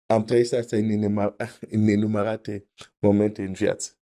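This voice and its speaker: A man's voice: on the low side, level tone, warm tone. A man preaching a teaching sermon, explaining carefully, repeating his points and reading scripture aloud.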